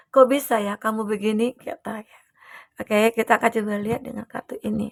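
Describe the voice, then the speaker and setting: A woman with a fairly high pitch talks at a fairly quick pace in a monotone, flat intonation, with big swings in loudness. The sound is dry and close, with no echo. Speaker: tarot reader. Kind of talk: tarot reading. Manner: casual, conversational.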